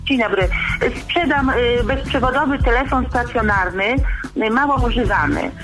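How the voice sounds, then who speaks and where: A woman calling a radio show over a landline phone to place a classified ad, speaking haltingly with pauses and fillers. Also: fairly high pitch, animated, over music. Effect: caller heard over a landline phone. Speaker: caller selling an item.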